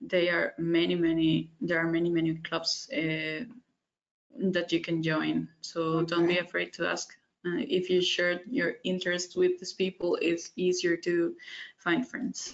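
A woman's fairly low-pitched voice in a Spanish accent, at a fairly slow pace with ordinary pitch variation. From Costa Rica. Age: 30s. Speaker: media studies student and institute worker. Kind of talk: webinar interview. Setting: video call. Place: home room. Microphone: webcam.

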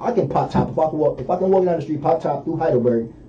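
A man talks at a very fast pace in a somewhat breathy voice with ordinary pitch variation, over light background noise. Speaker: college athlete and radio co-host; radio co-host. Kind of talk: casual chat. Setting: studio. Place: studio.

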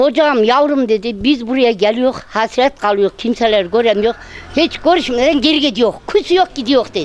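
A woman speaks at a fairly slow pace with a high pitch and lively intonation. The sound is dry, with no echo. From Turkey, Yozgat village. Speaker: villager. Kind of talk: street interview. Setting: outdoors. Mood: complaining, pleading. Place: street. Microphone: handheld.

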